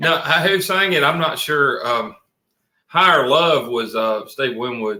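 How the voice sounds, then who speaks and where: The speaker has a Southern accent and a bright, sharp tone. The pace is fairly slow, and the intonation is lively. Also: man, fairly high pitch for a man. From US South, Georgia. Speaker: YouTuber. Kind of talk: casual chat. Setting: livestream.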